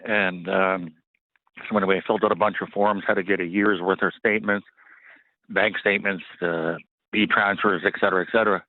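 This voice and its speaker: A man phones in to a radio call-in show. His voice sits low and comes through a tinny telephone line with a dry sound. He tells his story haltingly and with emotion, often stopping to restart. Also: steady tone, no echo. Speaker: caller.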